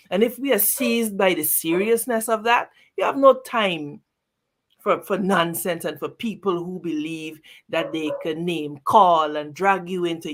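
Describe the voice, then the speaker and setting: A woman, a guest on a talk show, speaking earnestly in a measured, emphatic way with rhetorical questions. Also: lowish voice, vocal fry. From Guyana. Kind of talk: earnest political commentary.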